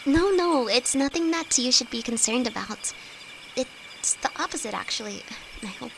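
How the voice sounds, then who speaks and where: A woman's voice: high-pitched, lively intonation, gravelly. A woman playing a timid, affectionate young apprentice alchemist in an intimate fantasy audio roleplay, speaking hesitantly to her best friend. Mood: nervous confession. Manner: hesitant, halting, soft-hearted. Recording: noisy, with night insects behind. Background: crickets and night forest ambience.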